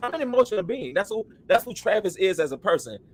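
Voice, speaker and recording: An extremely high-pitched man with an American accent talks at a very fast pace. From US South, Tifton, Georgia. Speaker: host of online vocal masterclass show. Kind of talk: casual chat. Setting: video call. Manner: animated.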